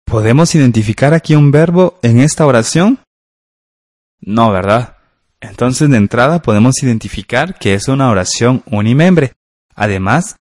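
A man co-teaching a scripted radio grammar class. He is calm and encouraging and asks confirming questions. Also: medium pitch, dry recording, studio quality.

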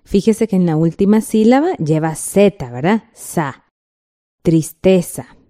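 A woman's voice: mid-range voice, lively intonation, normal speed, dark tone. A woman with a Guatemalan accent teaching a textbook lesson, patient and checking in often with the listener.

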